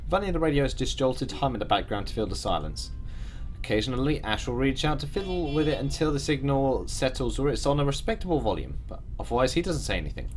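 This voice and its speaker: A man reading a visual novel aloud as the streamer, expressive, with his own asides. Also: mid-range voice, fast, slight background noise. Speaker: game streamer.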